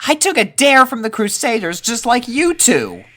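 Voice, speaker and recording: A man plays a young colt in a storybook tale, very high and bright in pitch and tone. He sounds like a nervous kid who gets defensive easily. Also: huge pitch swings, moderate pace, heavily acted. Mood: indignant. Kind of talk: acted character voice in fan fiction reading.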